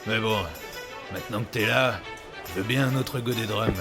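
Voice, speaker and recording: A man playing a boastful, luckless pirate captain in an audio drama, with a gravelly voice and a pompous, theatrical delivery. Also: on the low side, fairly even intonation, normal speed, over music, lightly acted. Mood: self-pitying. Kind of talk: French audio drama acting.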